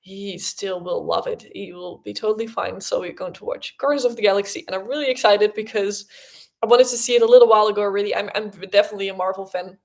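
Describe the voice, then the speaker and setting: A woman's voice: mid-range voice, fairly even intonation, fast talker, a little mellow. A young woman whose first language is Dutch, chatting casually and rambling with many fillers as host of a livestream podcast.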